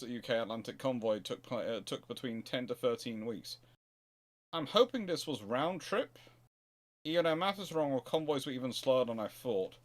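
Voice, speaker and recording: A man hosting a history question show, thinking aloud in casual, rambling answers and repeating his phrases as he goes. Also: medium pitch.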